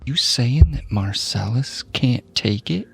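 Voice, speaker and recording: Gravelly-voiced man chatting during a game. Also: medium pitch, animated, takes it slowly, soft background music. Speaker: player in tabletop game podcast. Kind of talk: casual game chat.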